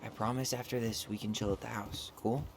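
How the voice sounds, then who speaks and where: A man's voice: fairly low pitch, flat delivery, a little fast, gravelly. An actor playing a guarded young trans man with dry wit, speaking casually in a naturalistic video game style. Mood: easygoing. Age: young adult.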